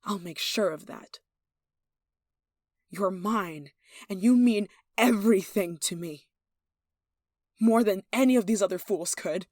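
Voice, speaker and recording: A woman's voice: medium pitch, slow pace, long pauses, a little mellow, no echo. A woman acts out a domineering young noblewoman in an intimate audio roleplay. She is haughty, jealous and possessive, handing down clipped commands as someone used to being obeyed. The recording is dry and close, with no room sound. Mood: possessive, menacing. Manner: imperious, indignant, sighing, clipped commands. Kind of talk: yandere ASMR roleplay acting.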